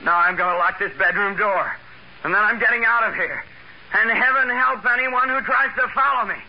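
A man's voice: high-pitched, brisk. An actor playing a desperate young man on the run in a 1940s radio crime drama. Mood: desperate, threatening. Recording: noisy, muffled old radio recording with clicks.

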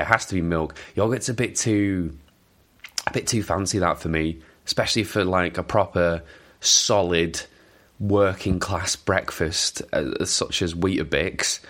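Very deep-voiced Welsh man chatting. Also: steady tone, moderate pace, fairly bright tone. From Wales. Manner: chatty, self-deprecating, rambling with fillers. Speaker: podcast host answering listener questions. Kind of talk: casual chat.

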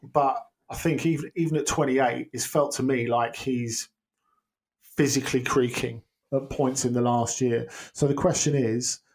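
Male podcast guest, mid-range voice, halting analytical delivery. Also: mid-range voice, steady tone, darkish tone. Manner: hesitant, many restarts and ums. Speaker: football pundit guest. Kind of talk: casual podcast chat.

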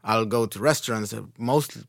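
A man's voice: fairly low pitch, moderate pace, gravelly, no echo. Man from Chile, dry casual chat. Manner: relaxed, rambling, lots of fillers.

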